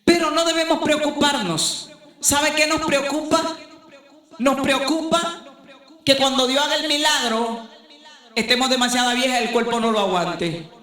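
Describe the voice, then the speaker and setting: An older woman pastor preaching a sermon, swinging between loud emphatic outbursts and low, slow, deliberate phrases. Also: fairly even intonation. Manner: emphatic preaching, rising to shouts then dropping low. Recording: echoey room.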